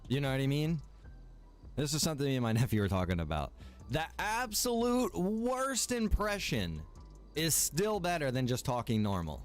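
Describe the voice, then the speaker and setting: A man's voice: on the high side, sing-song, normal speed, soft background music. A man streaming a game, chatting casually with viewers, rambling and joking as he plays. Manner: rambling and joking, chats to viewers and reacts while playing.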